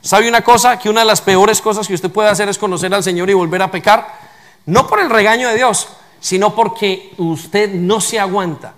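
A man's voice: high-pitched, normal speed, fairly bright tone. A man preaching a sermon as pastor, emphatic, putting rhetorical questions to the congregation.

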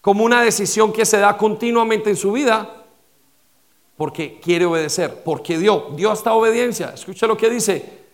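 A male pastor preaching a sermon with rhetorical questions and repetition, swinging between loud stress and quiet dropped lines. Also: sits high, moderate pace.

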